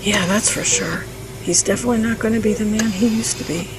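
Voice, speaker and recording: A woman's voice: mid-range voice, fairly even intonation, brisk, background noise, lightly acted. A woman playing a frank, unsentimental hospital worker in audio drama dialogue. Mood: blunt.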